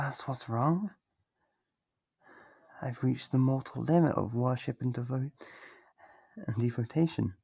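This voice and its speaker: Breathy, creaky-voiced devoted cultist, acted out in ASMR. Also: medium pitch, darkish tone, no room sound, clean studio sound, exaggerated voice. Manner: earnest, hesitant stammering, theatrical. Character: devoted, nervous, lovestruck young cultist worshipper, obsessive and earnest. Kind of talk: ASMR audio roleplay, dramatic monologue.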